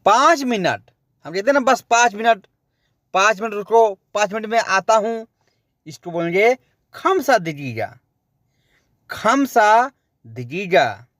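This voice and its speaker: A man's voice: sits high, expressive, normal speed, a bit bright, no room sound, studio quality. A man teaching spoken Arabic phrases, repeating each one and explaining it word by word. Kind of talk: slow spoken-phrase lesson.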